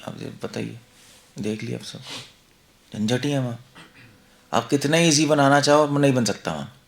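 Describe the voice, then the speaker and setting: A male monk with a mid-range voice and vocal fry speaks at normal speed in a conversational scripture class. He mixes Hindi and English throughout this devotional lecture, asking his listeners rhetorical questions.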